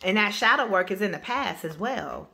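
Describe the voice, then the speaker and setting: A woman with AAVE speech giving a spiritual reading to camera, loud and powerful, blunt and emphatic, cursing freely and restarting her sentences. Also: mid-range voice, lively intonation, moderate pace, gravelly. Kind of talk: casual spoken reading to camera.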